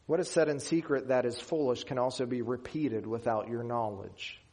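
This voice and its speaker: A man's voice: mid-range voice, steady tone, darkish tone. A man from Western Pennsylvania preaching a sermon in an earnest, emphatic way. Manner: earnest, emphatic preaching with slow deliberate pauses. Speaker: pastor.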